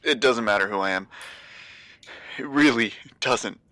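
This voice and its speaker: An actor playing an anxious, weary man taping a warning in an audio drama, halting and self-doubting as he rambles. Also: medium pitch, bright, forceful tone, no echo. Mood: hesitant, uneasy. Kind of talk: audio drama monologue as a taped message.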